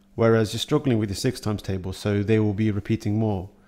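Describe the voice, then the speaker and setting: This man's fairly low voice keeps a fairly even intonation. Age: 30s. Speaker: software colleague and guest. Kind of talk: casual chat. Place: home room. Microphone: studio mic.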